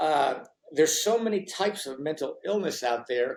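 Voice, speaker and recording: A man's voice with lively intonation, fairly high in pitch, a normal speaking voice. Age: 60s. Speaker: author and entrepreneur. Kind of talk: casual chat.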